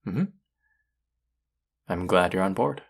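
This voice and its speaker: A man's voice: sits low, lively intonation, takes it slowly, creaky, slightly rough, exaggerated voice. A man acting a cocky, teasing male chef in an intimate romantic audio roleplay, speaking to his rival and love interest. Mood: tender, playful.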